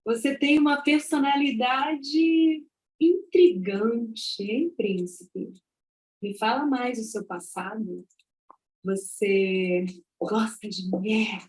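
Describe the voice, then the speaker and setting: A forward, flirtatious woman in a radio serial. Her voice is on the high side, and she talks like someone enjoying a party and going straight for what she wants. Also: slow pace, a little mellow, rough recording. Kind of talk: audio drama acting.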